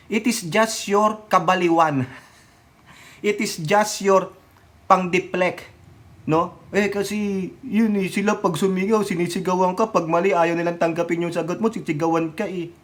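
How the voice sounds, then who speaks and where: A man giving casual political commentary on his vlog, mocking and taunting, mixing English phrases into his talk and laughing often between remarks. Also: high-pitched.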